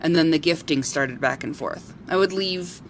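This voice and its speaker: A woman acting as a sincere local television reporter in a radio drama. Her delivery is measured and story-like, with faint noise on the homemade recording. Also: sits low. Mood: nostalgic. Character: sincere female local TV reporter who loves wild creatures. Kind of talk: amateur audio drama dialogue.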